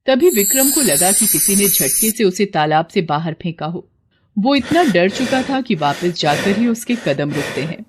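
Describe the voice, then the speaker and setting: A woman narrating a children's cartoon story in a calm, even, scripted way. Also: mid-range voice, moderate pace, background noise.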